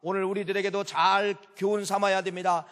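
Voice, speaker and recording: High-pitched Korean pastor preaching in a hall. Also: male voice, level tone, brisk, fairly bright tone. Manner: emphatic, repeats key phrases, asks the congregation questions. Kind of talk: sermon.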